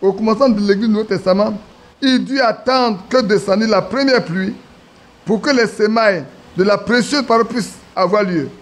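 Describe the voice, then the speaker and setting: Male preacher, high-pitched, sermon storyteller. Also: moderate pace. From Ivory Coast. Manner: storytelling with acted quotes, restarts.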